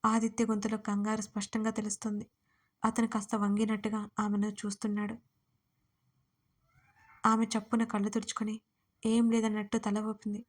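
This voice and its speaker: A woman narrating an audio romance story in a soft, steady reading voice. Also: medium pitch, moderate pace, long pauses.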